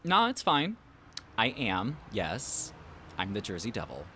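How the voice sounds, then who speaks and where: A woman playing an inquisitive, casual cryptid in disguise in an audio drama, with a deadpan, probing manner. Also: rumbling low, measured pace, a little hiss or hum, full character voice. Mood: casual, curious.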